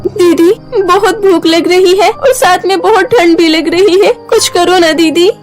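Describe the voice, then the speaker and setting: A woman's voice: very high-pitched, flat delivery, normal speed, faint music behind, pitched above the performer's own voice. A woman voicing a tearful little girl in a cartoon story, who speaks in a pleading voice.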